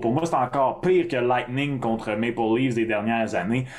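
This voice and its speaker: With a Quebec accent, a man talks at a fairly quick pace. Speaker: sports commentator. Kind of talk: casual chat. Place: studio.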